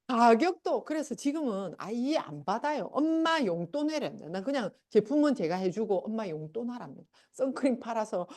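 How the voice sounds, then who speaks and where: A middle-aged woman addresses a seminar, her voice pitched a little high and swinging widely as she tells stories. She acts out her family members as she talks, keeping the room hooked with a motivational pitch. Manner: animated storytelling, acting out family members. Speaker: seminar speaker. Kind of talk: motivational sales seminar talk.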